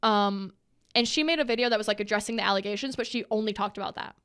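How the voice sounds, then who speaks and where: A woman's voice: mid-range voice, quick pace, fairly bright tone, clean tone. A young woman co-hosting a podcast, chatting casually and rambling with lots of fillers and restarts. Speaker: podcast co-host. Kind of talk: casual chat.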